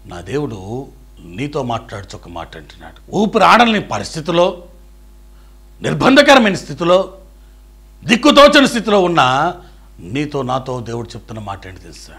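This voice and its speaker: Male pastor, sermon delivery: husky, bright timbre, pitch sitting a bit high, swings from loud proclaiming to near-whispered pleas. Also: very animated, moderate pace, pauses often. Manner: dramatic swings between loud declaring and hushed pleading; addresses the listener directly as a dear friend.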